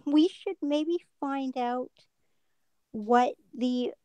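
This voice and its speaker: Woman, slightly high voice, casual chat, chatty, stumbling starts. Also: drawn-out words, dark tone, clean tone, no echo. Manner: chatty, stumbles and repeats words. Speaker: stream co-host.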